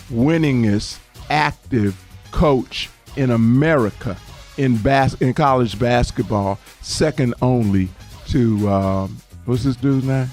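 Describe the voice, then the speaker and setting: A man co-hosting a sports talk show speaks at a middle pitch. His delivery is relaxed and conversational, and he keeps the segment moving. Faint music plays behind him.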